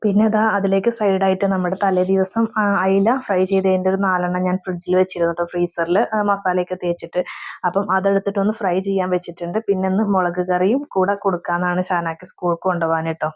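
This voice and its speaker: A mother narrating her day at home in a chatty voice-over, ending sentences with soft tag words and pausing on fillers. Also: medium pitch, flat delivery. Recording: slightly dull lo-fi voice-over.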